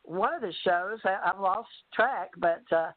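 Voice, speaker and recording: A woman's voice: mid-range voice, unhurried, no echo. A woman co-host who speaks politely and welcomingly in an interview. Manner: polite, warm, says ma'am. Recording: dry, phone-like call audio.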